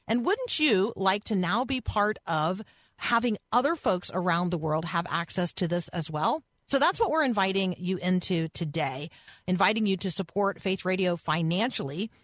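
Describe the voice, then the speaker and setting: A woman's voice: on the low side, lively intonation, normal speed, no echo. Chatty woman hosting Christian radio, dry studio sound. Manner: chatty, encouraging, addresses listeners directly. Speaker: radio show host.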